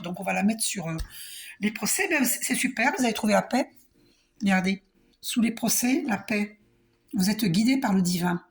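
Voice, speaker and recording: A woman doing a calm, reassuring spiritual card reading. She talks to the viewer, repeats herself and uses many fillers. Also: medium pitch. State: coughing a little. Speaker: card reader.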